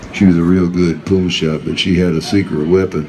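Over crowd noise in the background, a man talks at a moderate pace in a very deep, low, monotone voice. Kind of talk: comedic stage storytelling. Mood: dry deadpan humor. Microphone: camera far.

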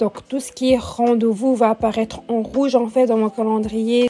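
A woman's fairly high voice, monotone and flat, at a fairly slow pace. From Congolese heritage, lives in Belgium. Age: 20s. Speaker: YouTuber, content creator. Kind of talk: casual talk to camera. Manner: calm, relaxed chat.

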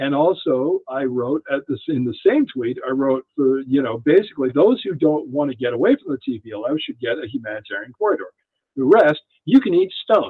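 A man's lively intonation carries through a quiet background as he talks at a moderate pace. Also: fairly high pitch for a man. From Canada. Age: 60s. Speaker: journalist and author; journalist. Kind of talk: interview. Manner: animated. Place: home room. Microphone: headset.

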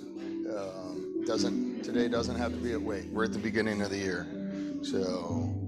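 The pace is fairly slow. Loud music plays in the background. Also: man. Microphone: video call.

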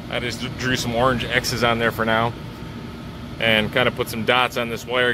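Dry with no echo, the voice keeps a moderate pace over noticeable background noise. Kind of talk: tutorial. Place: open country. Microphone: phone near.

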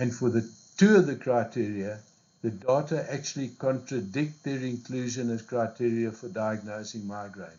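A man speaks at a medium pitch with a dark, mellow tone and ordinary pitch variation, with audible room echo. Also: moderate pace.

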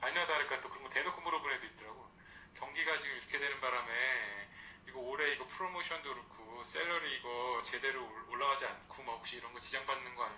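In a room with audible echo and light background noise, a man talks at a very fast pace, medium in pitch, with ordinary pitch variation. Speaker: architect. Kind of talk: casual chat. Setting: video call. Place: home room. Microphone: headset.

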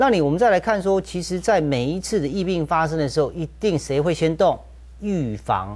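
This man has a plain, everyday voice, pitched fairly high. His intonation is lively and his pace moderate. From Taiwan. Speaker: financial analyst. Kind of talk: TV panel discussion. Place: studio. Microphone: lapel.

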